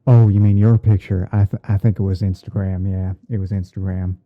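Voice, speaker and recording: A man playing a gentle, easygoing TV painting instructor in a halting, murmured ASMR livestream roleplay. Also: deep voice, level tone, phone-quality sound, lightly acted. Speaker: livestream host. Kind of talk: ASMR roleplay livestream while editing images.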